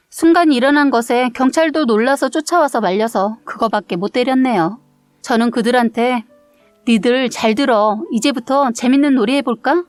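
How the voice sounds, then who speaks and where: A woman reading a submitted story aloud in the first person, with steady narration. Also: sits high, dry recording. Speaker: story reader.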